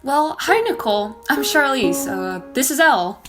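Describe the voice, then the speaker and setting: A woman playing a brisk, practical polling-place volunteer leader in an amateur theater skit, matter-of-fact and easily flustered. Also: high-pitched, lively intonation, music in the background. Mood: friendly, helpful.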